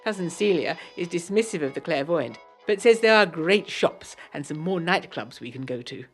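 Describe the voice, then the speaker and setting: A refined 1920s English lady acted by a woman voices a letter in a period audio drama. Her voice sits fairly low and moves expressively up and down, with proper, old-fashioned phrasing. Music plays underneath. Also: expressive, moderate pace. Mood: concerned, fond. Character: genteel 1920s Englishwoman, engaged, proper yet adventurous.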